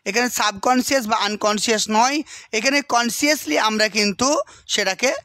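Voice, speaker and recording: A man with a West Bengal Bengali accent delivers an exam-prep lecture in a very high, bright voice, reading English lines slowly before unpacking them. He keeps asking rhetorical questions and checking that listeners follow. The recording is close and dry.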